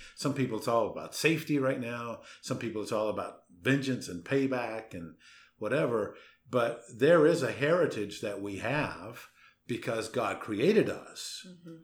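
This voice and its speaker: The voice is an unremarkable speaking voice from a man of medium pitch. He speaks at a moderate pace with lively intonation. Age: 50s. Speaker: podcast host, Bible teacher. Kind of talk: casual family discussion. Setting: piano studio with room noise.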